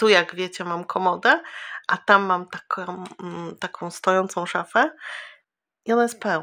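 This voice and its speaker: A woman's bright, sharp voice at medium pitch, fairly slow, with ordinary pitch variation and long, frequent pauses against a quiet background. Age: 50s. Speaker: tarot reader. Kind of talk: tarot reading. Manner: warm, affectionate. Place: home room. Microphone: phone near.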